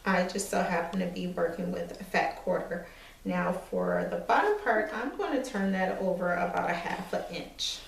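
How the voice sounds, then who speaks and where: Woman, slightly hoarse, gravelly, chatty sewing tutorial, echoey room, far from the camera. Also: lowish voice, normal speed, a little hiss or hum. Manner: relaxed, chatty step-by-step explaining with fillers. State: slightly hoarse, losing her voice. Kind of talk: casual craft tutorial. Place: small room indoors at an ironing board.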